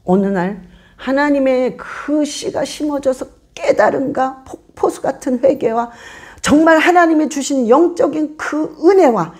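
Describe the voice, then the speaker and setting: A woman pastor preaching a sermon to her congregation, emphatic and repetitive, often acting out the voices of churchgoers. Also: sits high. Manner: animated, acts out congregants' voices; emphatic, repeats commands.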